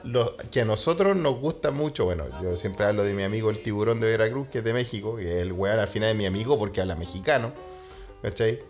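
A man's voice: lowish voice, fast. Chilean guy, podcast co-host, laid-back slangy talk, faint music underneath. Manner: slangy, swears a lot, laughs often. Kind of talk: casual podcast chat.

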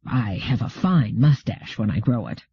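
Here is a man acting a brash male settler trader for an audiobook, cheeky and self-assured. He talks informally and briefly, in a husky voice. The sound is slightly dull. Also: medium pitch, expressive, moderate pace, mellow, pitched below the performer's own voice. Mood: cheeky, boastful. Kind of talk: audiobook character dialogue.

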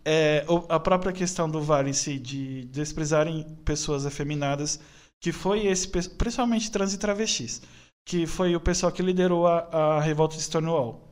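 A man's voice: a little high, moderate pace, smooth. A man, talking earnestly and at length as a podcast guest, with frequent restarts. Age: 20s. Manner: earnest, opinionated, rambling with restarts. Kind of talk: casual podcast conversation.

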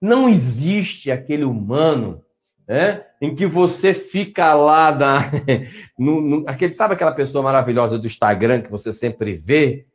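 A man's voice: medium pitch, unhurried. A man with a Brazilian Portuguese accent, giving a motivational talk as a coach and coaxing his audience to answer. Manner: animated, coaxing, asks listeners to answer.

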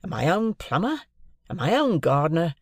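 A man voicing a cheerful, proud middle-aged male clerk, talking brisk and earnest in a raised voice. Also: on the high side, sing-song, slightly rough, no room sound, clean studio sound, pitched above the performer's own voice, exaggerated voice.

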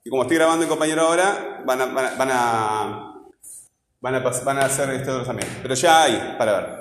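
A male teacher, patiently drilling a class and repeating phrases slowly. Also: medium pitch, a bit bright. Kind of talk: classroom lesson. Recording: echoey classroom with long reverb.

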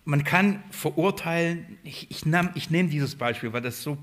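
A man with a fairly high speaking voice delivers a sermon as a preacher. He keeps putting questions to his listeners and then answers them himself, building his point step by step. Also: moderate pace, fairly bright tone. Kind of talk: Bible-study sermon.

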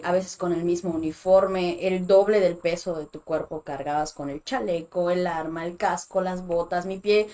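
A young Mexican woman with a Mexican accent, telling personal stories in a casual chat, full of fillers and animated asides. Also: lowish voice. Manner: chatty, animated, many fillers like "este". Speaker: guest.

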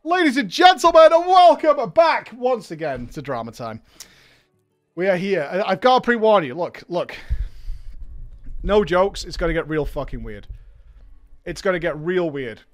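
A man with a high voice hosts a livestream and reads viewers' letters aloud. He talks in a loud, hyped way, swears freely and drifts into rambling asides, with faint music underneath. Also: very animated, normal speed, long pauses. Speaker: streamer and show host.

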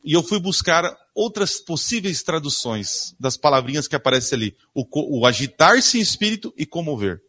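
A man's voice: a little high, very animated, moderate pace, few pauses, pushed and bright. A man preaching a sermon, reading Bible verses aloud and questioning his congregation in a church. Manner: asks the congregation questions and answers them himself.

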